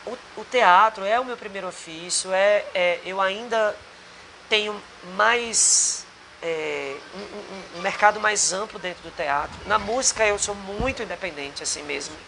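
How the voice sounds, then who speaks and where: A man from northeastern Brazil, a singer and actor with a Potiguar accent from Rio Grande do Norte, chats earnestly in a casual interview at a bar, rambling and restarting often. His voice is high-pitched with vocal fry and a little slow, against a noisy background.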